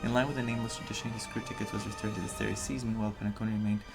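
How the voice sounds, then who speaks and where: A man giving casual, animated, rambling reactions as he plays through a game. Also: lowish voice, rapid-fire, creaky. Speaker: gaming streamer. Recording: game music under the commentary. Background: game music.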